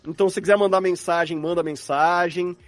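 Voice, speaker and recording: A man's voice: high voice, steady tone, brisk, no room sound, soft background music. A man with a Brazilian Portuguese accent chatting casually as a guest in a live podcast interview. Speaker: podcast guest, audio drama producer.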